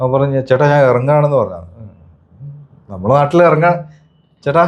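Ordinary pitch variation from a man with a fairly high voice. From Malabar, Kerala (Kozhikode area). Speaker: journalist. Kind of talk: casual chat.

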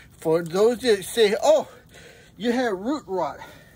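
This man's voice has a high pitch. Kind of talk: tutorial. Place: garden. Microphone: phone near.

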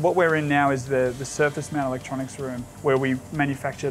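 A man's very fast, monotone, flat delivery over clear music in the background. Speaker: factory staff tour guide. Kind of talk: guided tour explanation. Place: factory.

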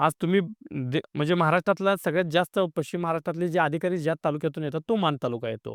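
In a very clean recording with a silent background and a dry, close sound with no echo, a man has an ordinary speaking voice, fairly high in pitch, with ordinary pitch variation. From Maharashtra, Sangli district (Jat). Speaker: politician and social worker. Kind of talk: monologue interview.

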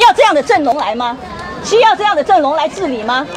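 A woman talking at a very fast pace over crowd noise in the background. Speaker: homeowner confronting city officials. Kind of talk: heated street argument. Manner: impassioned, forceful. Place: street. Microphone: camera far.

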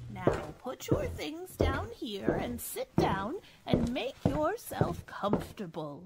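At a fairly slow pace, a woman performs a put-on character voice. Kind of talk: 1940s radio acting. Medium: audio drama. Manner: fussy, repetitive.

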